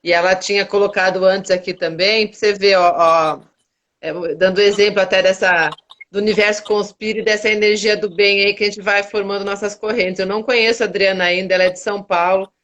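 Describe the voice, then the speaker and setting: A woman's voice: medium pitch, little pitch movement, a little fast. Chatty woman hosting a live. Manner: warm, chatty, readily agreeing. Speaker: host of an online live show. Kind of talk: casual live interview chat.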